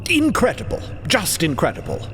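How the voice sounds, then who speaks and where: A man playing an excitable, brainy ship's engineer in an audio drama, stammering and emphatic in his wordy amazement. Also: high-pitched, moderate pace, soft background music, full character voice. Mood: amazed. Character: excitable brainy male ship's engineer, old-fashioned exclaimer. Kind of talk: sci-fi audio drama acting.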